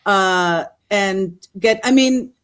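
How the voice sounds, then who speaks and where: A woman's voice: mid-range voice, drawn-out words, clear, resonant tone. A middle-aged woman from California, a guest on a livestream, chatting casually with lots of fillers and frequent laughs. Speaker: guest panelist.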